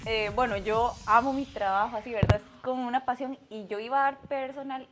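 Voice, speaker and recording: A woman's voice: on the high side, fairly even intonation, a little fast, music in the background. A young Costa Rican woman in casual chat as a podcast co-host, telling a personal story and acting out her own past lines.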